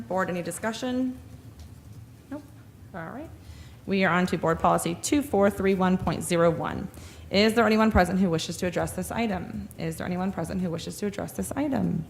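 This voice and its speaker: Woman briskly chairing a board meeting. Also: mid-range voice, lively intonation, a little hiss or hum. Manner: repetitive, brisk, formal procedural phrasing. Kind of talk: reading agenda items at a public meeting. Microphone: table microphone.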